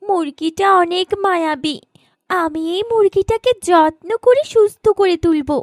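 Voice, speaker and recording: Woman acting a high-pitched, tender little village girl. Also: a little slow, no echo, clean studio sound. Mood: tender, insistent. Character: kind young village girl, eager and tender. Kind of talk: children's moral cartoon voice acting.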